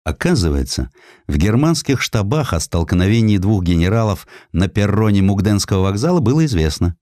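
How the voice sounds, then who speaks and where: A man reading historical prose as an audiobook narrator, with measured, expressive and dramatic delivery. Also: lowish voice, dry recording, clean studio sound.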